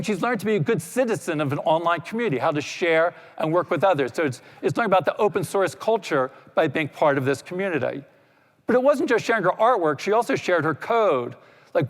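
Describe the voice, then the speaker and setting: A man giving a conference talk, explaining in a relaxed way with many "you know" asides. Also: a little high. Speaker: panel speaker. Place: lecture hall. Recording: echoey hall reverb.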